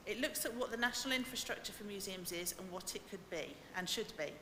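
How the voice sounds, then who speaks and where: A woman's voice: medium pitch, fast talker, noisy background. A woman working as a museum learning officer, giving a presentation to a council committee in a friendly, slightly nervous way. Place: council chamber. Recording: echoey chamber webcast.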